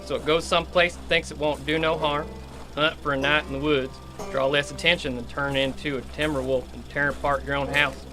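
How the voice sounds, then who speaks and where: Man playing an earnest Southern monster hunter, slightly high. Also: flat delivery, fairly quick, music in the background, close to an everyday voice. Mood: earnest, determined. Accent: American South. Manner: earnest, plain-spoken country talk. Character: earnest rural monster hunter avenging his uncle. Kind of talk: audio drama acting.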